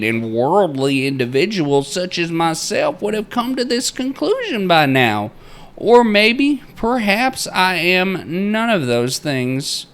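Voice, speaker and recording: A man's voice: fairly high pitch, gravelly, fairly bright tone, voice pushed up, full character voice. A man voicing a pompous, wordy male prospector reading out his journal in a florid, theatrical way. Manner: florid, theatrical, self-important.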